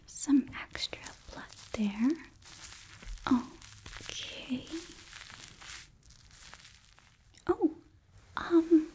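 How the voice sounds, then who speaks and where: Girl acting as soft whispery perky young hostess from hell, high voice, slow n gentle, asmr roleplay right up close. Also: heavily acted. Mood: gentle, reassuring, then flustered, concerned. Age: young adult. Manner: gentle, hesitant, caring, coaxing. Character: sweet, earnest, perky young woman hotel hostess from Hell. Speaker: ASMR performer. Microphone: close microphone.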